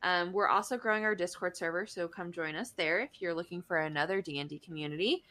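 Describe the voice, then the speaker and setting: A woman's voice: lowish voice, fast, sharp tone. A woman co-hosting a podcast in casual chat, with an informal, playful way of talking. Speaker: podcast co-host.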